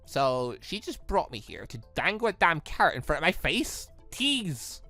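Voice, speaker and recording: A man's voice: a little high, very animated, moderate pace, pushed and bright, soft background music, exaggerated voice. Man reading as a sceptical, questioning new student. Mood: exasperated. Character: sceptical, questioning newcomer student being shown around. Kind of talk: visual novel dialogue read aloud.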